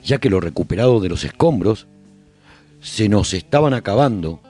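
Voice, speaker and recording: A man playing a survivor who calmly narrates life in a post-apocalyptic colony for a radio drama, reflective and husky, with pauses. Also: fairly low pitch, soft background music. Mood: calm recounting. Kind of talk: scripted first-person radio drama narration.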